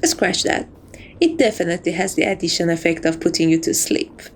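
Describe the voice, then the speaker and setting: A woman's voice: lowish voice, sing-song, fairly quick, a little hiss or hum, pitched below the performer's own voice. A woman voicing a playful, seductive, possessive catgirl jewel thief in a romantic ASMR roleplay, coy and theatrical in her affection. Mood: soothing, possessive.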